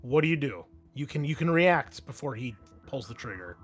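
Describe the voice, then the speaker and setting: A man's voice: medium pitch, expressive, normal speed, breathy edge, soft background music. A man running a tabletop roleplaying game, explaining action and rules in a casual, profane way. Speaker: game master.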